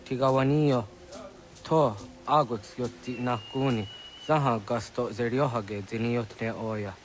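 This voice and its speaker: An actor playing a grave, earnest Native American villager in a video game cutscene. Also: male voice, medium pitch, steady tone, moderate pace, a little hiss or hum, lightly acted. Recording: music behind the dialogue.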